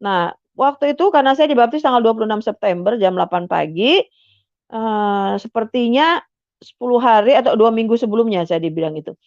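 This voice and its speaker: A woman's voice: fairly high pitch, lively intonation, a little fast, a little mellow, dry recording, highs cut off. Chatty older woman telling her story. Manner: chatty, acts out remembered dialogue, many fillers. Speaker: guest giving a conversion testimony. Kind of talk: personal testimony storytelling.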